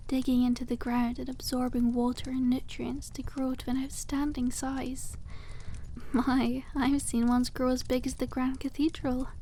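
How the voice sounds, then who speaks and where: A woman's voice: high-pitched, dark tone, slight background noise. A woman voicing a cute, cheerful young witch shopkeeper in an ASMR roleplay, with sweet, whimsical, genteel storybook phrasing. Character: cute, cheerful young witch running a dragon egg shop.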